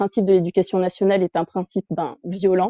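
An ordinary speaking voice: a woman with a medium pitch talks at a fairly quick pace. Her intonation is fairly even. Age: 40s. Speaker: English teacher. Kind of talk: casual chat.

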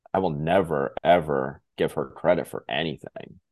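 There is vocal fry in this man's voice. His pitch varies in an ordinary way. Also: quiet background. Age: 40s. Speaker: fitness entrepreneur and podcast co-host. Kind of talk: casual chat. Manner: halting, many fillers and repeats.

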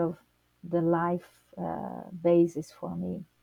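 A woman's fairly low, dark and mellow voice in a Portuguese accent. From Brazil (Joinville). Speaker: physical theater performer. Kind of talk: interview.

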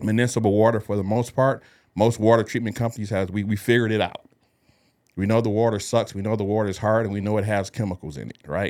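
A man with an American accent, fairly low pitch, fairly even intonation and a very fast pace, on a very clean recording with a silent background. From Detroit, Michigan. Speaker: water treatment business owner. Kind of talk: interview. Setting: studio.

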